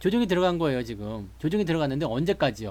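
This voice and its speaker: With very wide pitch swings, a man speaks at a fairly high pitch on a very clean recording with a silent background. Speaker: stock market analyst streamer. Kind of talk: live stream chart analysis. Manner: casual, conversational.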